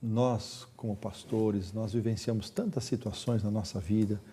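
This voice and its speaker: A man's voice: fairly low pitch, fairly even intonation, measured pace, dark tone, slight background noise. A man with a Brazilian accent, a pastor and guest, speaking earnestly and with emphasis in a reflective religious discussion. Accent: Brazilian Portuguese. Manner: earnest, emphatic, imaginative retelling.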